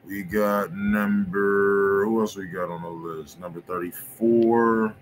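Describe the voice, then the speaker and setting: This music review show host has a fairly low voice and fairly even intonation as he casually goes through tracks on a livestream. His talk is slangy and relaxed, dotted with quick "you feel me" check-ins. He sits at a desk in his home studio room while a soft hiss of room noise runs underneath.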